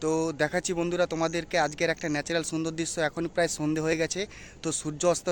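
On a very clean recording with a silent background, a man speaks at a fairly high pitch with monotone, flat intonation. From West Bengal, Purba Medinipur. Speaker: vlogger and photographer. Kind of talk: casual vlog to camera.

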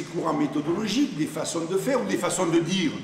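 With lively intonation and a high pitch, a man talks at a moderate pace over light background noise, with audible room echo. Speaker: speaker. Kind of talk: lecture. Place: classroom. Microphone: podium.

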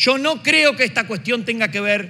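A man speaks with a high pitch. His voice is raised and projected. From Argentina. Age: 30s. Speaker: politician. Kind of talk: parliamentary speech. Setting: legislative chamber. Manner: formal. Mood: indignant. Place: hall. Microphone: podium.

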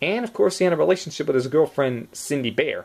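A man's voice with lively intonation. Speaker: cartoon history vlogger. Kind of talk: casual vlog chat. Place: home room. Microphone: phone near.

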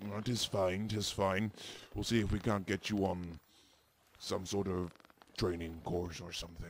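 In a put-on character voice with a very deep, low pitch, a man talks at a moderate pace, broken by long, frequent pauses. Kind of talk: comic sketch acting. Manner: cheery, polite, businesslike.

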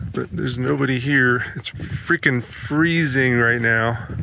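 With light background noise and a dry sound with no echo, a man speaks with ordinary pitch variation. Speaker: road-trip vlogger. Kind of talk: casual vlog chat. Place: open country. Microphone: phone near.

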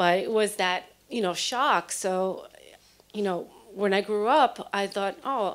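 With a New York accent, a woman speaks at medium pitch with ordinary pitch variation. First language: Spanish. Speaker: artist; panelist, poet. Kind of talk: panel presentation. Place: hall. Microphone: handheld.

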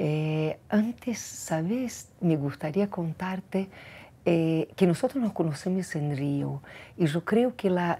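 The speech comes very slowly in a dark, mellow tone, with a Portuguese accent. Pitch variation is ordinary. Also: woman. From Brazil, Rio de Janeiro. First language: Portuguese (speaking Spanish). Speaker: diplomat's wife; guest. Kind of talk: interview storytelling. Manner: halting. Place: studio. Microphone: lapel.

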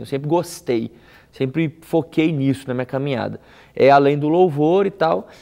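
Moderate pace from a man with a dark, mellow tone, ordinary pitch variation, and a quiet background. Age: 20s. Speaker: youth pastor; youth pastor guest. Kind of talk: casual interview. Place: studio. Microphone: lapel.

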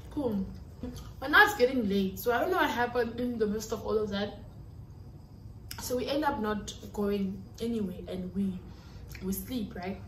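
Audible room echo and light background noise surround the recording. A woman speaks with long, frequent pauses. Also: moderate pace. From South Africa. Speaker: YouTuber. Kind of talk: storytime talk to camera. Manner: casual, chatty. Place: home room.

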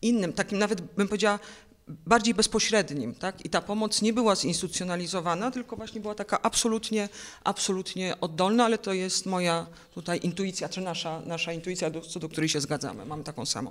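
Pitch varies in an ordinary way as the words rush out at a very fast pace. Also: woman. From small town near Warsaw, Poland. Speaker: sociologist and academic. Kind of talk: panel debate. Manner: hesitant, with repetitions. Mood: calm, thoughtful. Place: hall. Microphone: handheld.

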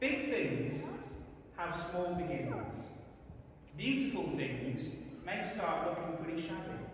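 A man at a fairly slow pace, in strong room echo with light background noise. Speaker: preacher. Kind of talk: sermon. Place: church.

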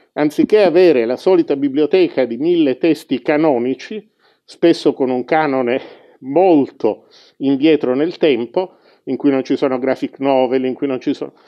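Over a quiet background, a man speaks at a moderate pace. His pitch is fairly high, with ordinary variation. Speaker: university professor. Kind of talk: panel presentation. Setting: book fair panel. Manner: measured, articulate. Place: hall. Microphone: lapel.

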